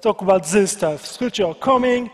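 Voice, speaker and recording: A man with a French accent presents to a crowd as a game designer, joking at his own expense as he goes. His voice sits fairly high. He speaks into a stage microphone, and the sound rings out with the long reverb of a large convention hall. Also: lively intonation, normal speed. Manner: playful, self-deprecating, joking asides. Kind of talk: conference presentation.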